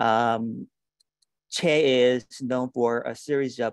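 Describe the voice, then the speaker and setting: In a Korean accent, a man speaks with monotone, flat intonation against a quiet background, the sound dry with no echo. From South Korea. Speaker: fashion design director and textile artist; guest. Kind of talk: webinar slide presentation. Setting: video call. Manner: halting. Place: home room. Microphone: video call.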